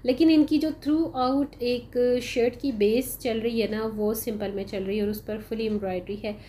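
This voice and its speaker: A woman doing a casual, chatty voice-over for a shopping vlog, unhurried and full of "uh" fillers. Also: on the high side, steady tone, mellow, slight background noise. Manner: chatty, unhurried, frequent "uh" fillers, addresses viewers as "janab" and "bhai". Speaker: shopping vlogger. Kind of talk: casual voice-over of a sale haul.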